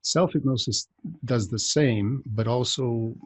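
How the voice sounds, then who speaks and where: A man's voice: mid-range voice, slow pace, breathy edge. A man hosting a casual podcast chat, rambling and joking, often breaking off mid-sentence. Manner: rambling, self-interrupting, joking. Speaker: podcast host.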